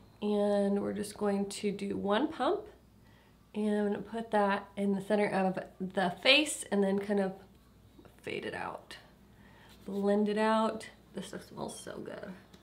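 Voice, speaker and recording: Amid audible room echo, a woman at medium pitch speaks very slowly with long, frequent pauses, big swings in loudness and fairly even intonation. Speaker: beauty YouTuber. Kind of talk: makeup tutorial. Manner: casual, chatty.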